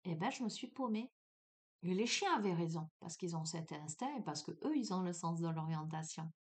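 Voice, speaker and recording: A middle-aged woman hosting a spiritual guidance channel, telling a personal story in a chatty, animated way with many fillers, speaking straight to the listener. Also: on the low side, normal speed.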